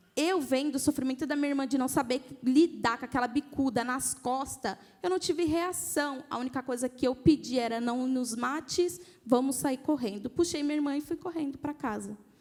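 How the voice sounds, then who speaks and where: Noticeable background noise sits behind a woman's high-pitched voice. She talks at a moderate pace with ordinary pitch variation. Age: 20s. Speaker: art educator. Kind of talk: panel talk. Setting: stage with audience.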